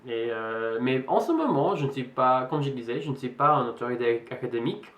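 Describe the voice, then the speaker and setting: Young English guy, native English speaker, vlogging in French; halting, filler-heavy delivery; middle pitch; roomy echo. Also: lively intonation, a bit bright, highs cut off, a little hiss or hum. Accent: English speaker in French, slightly American-tinged. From England. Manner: hesitant, many fillers and restarts. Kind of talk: casual vlog talk to camera.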